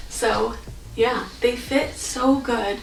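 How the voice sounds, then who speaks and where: A woman's voice: a little high, steady tone, extremely slow, vocal fry, a little hiss or hum, poor audio. A young woman from Canada, vlogging casually at home with lots of "like" fillers. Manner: chatty, filler-heavy with many "like"s. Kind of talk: casual day-in-the-life vlog.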